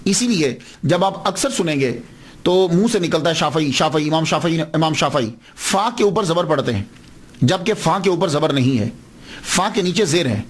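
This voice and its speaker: A man's voice: high-pitched, animated, slightly rough. A man giving a religious lecture as a scholar, explaining step by step and asking questions he then answers. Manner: slows down to spell out names and words. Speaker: Islamic scholar.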